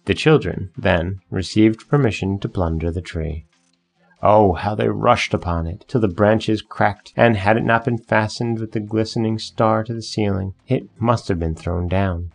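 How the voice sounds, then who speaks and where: A man narrating a fairy tale in a measured, gentle storytelling manner. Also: on the low side, steady tone, vocal fry, soft background music.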